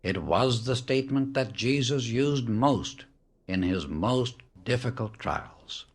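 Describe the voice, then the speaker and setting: A man reading a spiritual audiobook as scripted narration, in a solemn, measured, declarative way. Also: mid-range voice, lively intonation.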